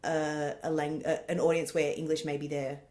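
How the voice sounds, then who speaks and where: Chatty Australian woman, lowish voice. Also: level tone, normal speed, warm tone. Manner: chatty, rambling, laughs often. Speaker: comedian guest. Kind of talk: casual interview chat.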